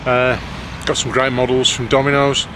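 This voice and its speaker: This casual, rambling vlog features a lorry driver from the West Midlands of England who has a Black Country accent and seems a little self-conscious talking to camera. His mid-range voice shows little pitch movement at a normal speed, and road and vehicle noise is clearly heard.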